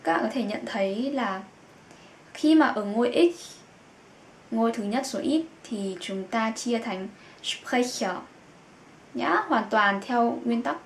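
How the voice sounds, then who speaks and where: Young female language teacher, unhurried, reverberant room. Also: a little high, vocal fry. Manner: explains in Vietnamese, says German words slowly and repeats them. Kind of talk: language lesson for Vietnamese learners. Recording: echoey room with faint background noise.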